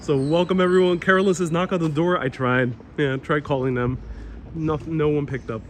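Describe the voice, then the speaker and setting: Man with a Queens Hispanic accent, Spanish first language, slightly higher voice; relaxed live tour host on a phone mic, noisy outdoor street. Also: a little fast. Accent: Queens Hispanic New York. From Puerto Rico, raised in New York. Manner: relaxed, chatty, reads out viewer comments. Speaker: walking tour livestream host. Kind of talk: casual live walking tour, chatting with viewers. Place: outdoors on a town street with passing traffic. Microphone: phone-mounted mic while walking.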